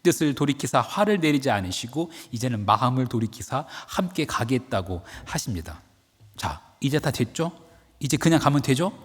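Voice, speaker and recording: A male pastor preaches a dawn-service sermon, telling his story with dramatic emphasis. His slightly husky voice swoops up and down, and it rings with the long reverb of a church sanctuary. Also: medium pitch, very animated, normal speed.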